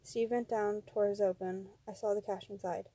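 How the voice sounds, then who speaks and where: A woman narrating a first-person horror story, steady and even, rising in tense moments. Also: mid-range voice, normal speed, slightly rough, dry recording.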